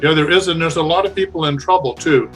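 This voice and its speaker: A man hosting a live call-in show, speaking calmly and with conviction. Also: a little high, fast talker, soft background music. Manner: calm, talks about curses and spiritual healing with conviction. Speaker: host.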